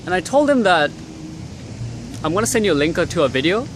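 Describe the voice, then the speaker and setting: Out in the cold city air, a young Bangladeshi man films a casual motivational vlog, speaking bluntly and swearing freely. His voice is a bit higher than most men's, very animated and fairly quick, with faint traffic humming in the background.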